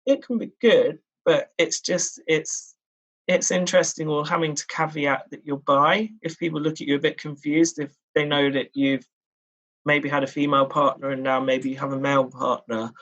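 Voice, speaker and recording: A man talks as a guest in a relaxed interview. His voice sits a little higher than usual for a man. He is reflective and earnest, often pausing on "you know" and "um" while he works through a point. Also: low-quality recording. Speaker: interview guest, public speaker. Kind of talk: casual conversational interview.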